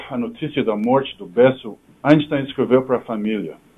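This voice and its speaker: Speaking at a moderate pace in a non-native accent, a man of medium pitch uses lively intonation and big swings in loudness. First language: not Portuguese (speaking Portuguese). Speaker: physics and philosophy professor. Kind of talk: lecture.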